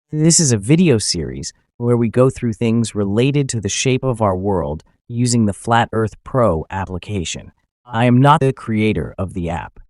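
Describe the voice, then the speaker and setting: A man's voice: lowish voice, darkish tone, no echo, studio quality. Man narrating an app tutorial. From Finland. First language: Finnish. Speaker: YouTube channel host.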